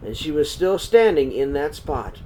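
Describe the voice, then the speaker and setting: A man's voice: a little high, sing-song, measured pace. Man reading a children's story, noisy background. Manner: dramatic, swinging between hushed and projected. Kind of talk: expressive read-aloud storytelling. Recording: clear background noise.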